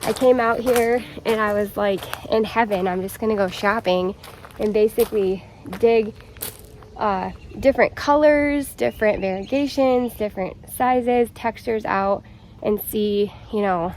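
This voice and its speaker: Excited chatty woman outdoors in her garden. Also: medium pitch, slight background noise. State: slightly out of breath. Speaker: gardening vlogger. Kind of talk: casual vlog chat.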